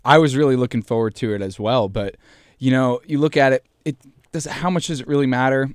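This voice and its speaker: A man's voice: mid-range voice, brisk, clean tone, dry recording, studio quality. Laid-back young man talking sports. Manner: relaxed, laid-back, many fillers. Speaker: podcast co-host. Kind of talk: casual sports talk.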